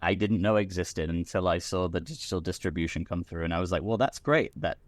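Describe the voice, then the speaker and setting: A British man, a podcast guest, talking in a relaxed, rambling way with many restarts. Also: sits low, brisk, no echo. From Britain. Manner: chatty, full of restarts and repeated words. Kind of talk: casual chat.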